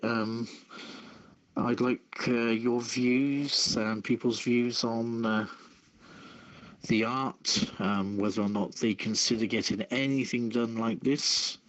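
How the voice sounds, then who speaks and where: A man hosting an unscripted call-in show, speaking in a halting, hesitant way. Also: medium pitch, a bit bright, low-quality recording. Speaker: radio show host.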